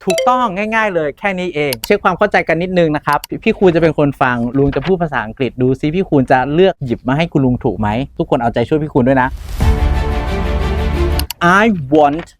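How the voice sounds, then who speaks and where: A middle-aged man teaching English pronunciation in a short video lesson, drawing out model words slowly for students to repeat. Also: fairly high pitch, over music. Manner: slow, drawn-out model pronunciations for the class to repeat.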